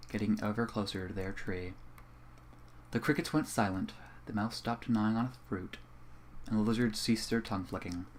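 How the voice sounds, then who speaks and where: Young man reading a story calmly. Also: on the low side. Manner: casual and profane in the intro, then calm and even while reading. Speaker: fanfiction reader. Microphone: home computer microphone.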